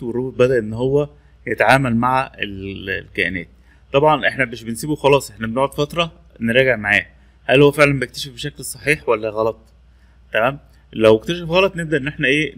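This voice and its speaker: A man's voice: mid-range voice, a bit bright. A man with an Egyptian Arabic accent presents a casual tech tutorial, repeating labels as he demonstrates a training tool. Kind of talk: casual screen-recorded tutorial.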